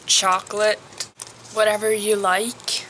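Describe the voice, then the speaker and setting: A teenage girl from Norway, giving casual advice in a vlog recorded outdoors. She talks softly and hesitantly, sometimes dropping to a whisper. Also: mid-range voice, level tone, slow, background noise. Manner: soft, hesitant, drops to a whisper at times. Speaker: vlogger.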